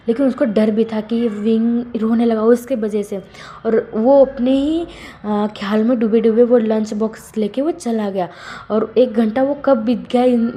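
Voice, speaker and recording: A woman's voice: on the high side, warm tone. A woman casually narrating a fan fiction story, rambling with many fillers and corrections. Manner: rambling, heavy use of fillers and self-corrections.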